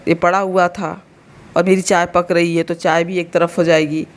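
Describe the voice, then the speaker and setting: A vlogger in her thirties from India talks casually to her viewers from home, addressing them directly and explaining as she goes. Her lowish voice shows little pitch movement and moves at a moderate pace, with an Uttar Pradesh Hindi accent and a slight soreness in the throat.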